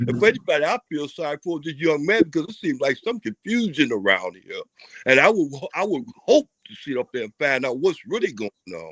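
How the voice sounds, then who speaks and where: Vocal fry marks this man's fairly high voice. Its pitch swings very wide, and its loudness rises and falls sharply. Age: 60s. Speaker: caller on boxing livestream. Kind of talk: casual chat. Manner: halting.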